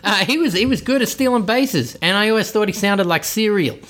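A man's voice: high-pitched, expressive, a little fast, a bit bright. An Australian man co-hosting a podcast, chatting casually in a jokey way. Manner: jokey, laughs easily. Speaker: podcast co-host. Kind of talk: casual comedic banter.

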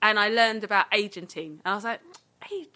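A woman's voice: mid-range voice, quick pace, bright, forceful tone. A woman with an Essex accent chatting casually as an interview guest, bubbly, self-deprecating and a little dramatic as she tells anecdotes. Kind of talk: casual chat, telling anecdotes.

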